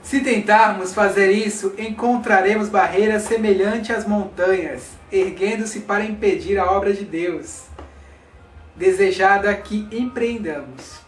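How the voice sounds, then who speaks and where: Male reader, high voice, measured and formal; off-mic, roomy, faint music. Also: recorded from a distance, slight background noise. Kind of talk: reading a text aloud.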